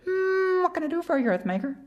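A man voicing a tiny, eager female mosquito with a very high, humming, squeaky voice. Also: very animated, fast, lo-fi sound.

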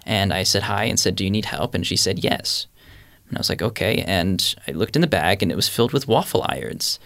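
A man's voice: deep voice, animated, brisk, vocal fry, a bit bright, dry recording, studio quality. A young man telling a personal faith story in an earnest, rambling way with many fillers. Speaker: panel guest. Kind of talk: casual faith discussion.

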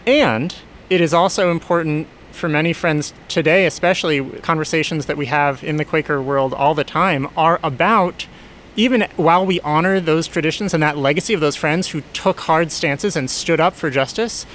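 Here a man from a Quaker community house talks at normal speed, his voice on the higher side and a bit bright, with slight hiss or hum in the background. Thoughtful and sincere, he often stops to rework what he's saying in this conversational interview.

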